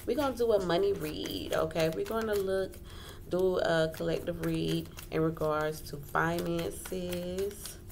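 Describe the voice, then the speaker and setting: A woman's voice: fairly low pitch, fairly even intonation, unhurried. A woman giving a casual tarot reading as host, talking informally, repeating phrases and checking in often. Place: indoors at a wooden table. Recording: clearly noisy home recording.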